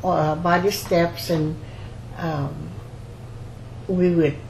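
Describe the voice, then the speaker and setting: Slow-speaking older woman. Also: lowish voice, steady tone, creaky, darkish tone. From rural Louisiana, United States. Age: 70s or older. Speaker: basket maker interviewee. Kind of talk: oral history interview, personal recollection. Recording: roomy echo, faint background noise.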